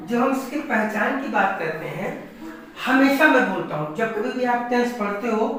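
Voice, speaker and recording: A man teaching an English lesson, spelling words letter by letter and often clearing his throat. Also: extremely high pitch, lively intonation, moderate pace, fairly bright tone, very echoey, far from the mic, poor audio. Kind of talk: classroom lesson.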